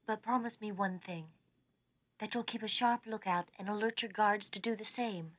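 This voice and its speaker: An actress voicing a devoted, earnest young queen in an animated Bible drama, speaking in an imploring way. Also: mid-range voice, normal speed, close to an everyday voice. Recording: dull lo-fi sound.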